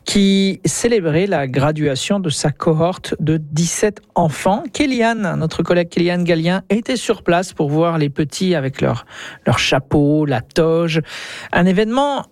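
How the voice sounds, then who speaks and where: A man's voice: on the high side, unhurried, a little mellow, dry recording. A man anchoring a radio news segment, introducing reports, fluent with an occasional stammered repeat.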